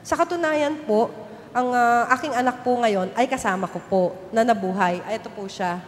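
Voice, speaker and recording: A young woman earnestly telling a personal faith testimony to a gathering, narrating with polite respectful phrasing. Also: moderate pace. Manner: earnest, storytelling, polite po throughout. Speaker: guest testifying at a church gathering. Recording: long hall reverb, faint rumble.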